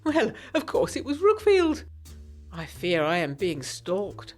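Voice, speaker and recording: A woman's voice: mid-range voice, huge pitch swings, slow, a little mellow, faint music behind. A woman playing a genteel, secretive young 1920s Englishwoman, narrating a gothic audio drama in a refined, confiding way. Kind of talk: scripted first-person audio drama narration.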